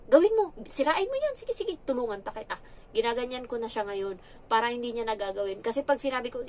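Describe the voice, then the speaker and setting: A young adult woman from the Philippines, a domestic helper, tells a frank story in a casual vlog. Her voice is high-pitched, and she is chatty, getting animated as she retells events.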